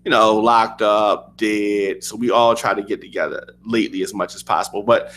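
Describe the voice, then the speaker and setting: A man's voice: lowish voice, moderate pace, a little hiss or hum. Easygoing man chiming in on sports radio. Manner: relaxed, easygoing, hesitant with ums. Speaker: co-host. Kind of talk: casual sports talk radio. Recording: online radio show.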